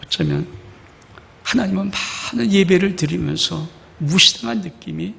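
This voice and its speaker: Korean pastor, gravelly, echoing church hall. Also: male voice, sits high, normal speed, a bit bright. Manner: preaching with rhetorical questions, acting out God's and the people's voices. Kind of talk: sermon. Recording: long church hall reverb.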